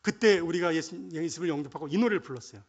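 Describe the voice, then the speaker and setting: A middle-aged male pastor with a fairly high voice delivers a lively sermon. He drops to quiet, chatty asides, then rises to loud, stretched-out proclamations of scripture. He also calls on the congregation to recite lines back with him. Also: quick pace, breathy edge. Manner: animated preaching, swings from soft asides to loud proclamations; quotes scripture in archaic phrasing and leads the congregation in call-and-response.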